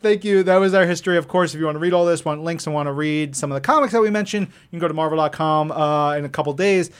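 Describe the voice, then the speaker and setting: A man's voice: fairly high pitch, quick pace, clean tone. A man co-hosting a comics podcast, talking effusively and emphatically with casual slang. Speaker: podcast co-host. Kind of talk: enthusiastic comics chat podcast.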